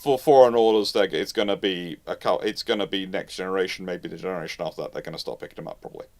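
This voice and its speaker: A man hosting a live talk, explaining things off the cuff in an animated, emphatic way, often rephrasing mid-sentence. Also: low voice, fast talker. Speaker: host of naval history live Q&A. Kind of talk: off-the-cuff explanatory commentary, answering listener questions.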